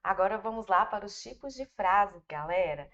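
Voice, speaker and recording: A woman's voice: medium pitch, expressive, normal speed, fairly bright tone. A woman teacher with a Brazilian Portuguese accent, giving a patient, step-by-step grammar lesson and speaking informally to her students. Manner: addresses students informally, explains patiently with repetition. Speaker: English teacher. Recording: dull, lo-fi recording.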